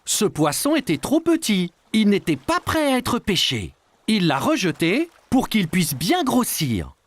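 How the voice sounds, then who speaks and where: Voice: medium pitch, wildly swooping pitch, a little slow, no room sound. An actor voicing a patient, kindly father in a French children's cartoon, explaining things simply and reassuringly.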